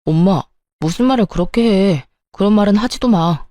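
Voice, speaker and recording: A woman's voice: medium pitch, lively intonation, normal speed, dark tone, no echo, studio quality, lightly acted. A woman voicing an angry, bossy husband who takes his mother's side, speaking in an accusing, demanding way in a narrated story. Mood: protective, reproachful.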